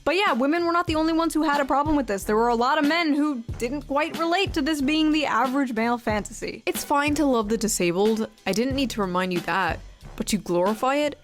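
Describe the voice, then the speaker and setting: A woman's voice: high voice, fairly quick, soft background music. A woman giving opinionated online video commentary in a sarcastic, mocking manner.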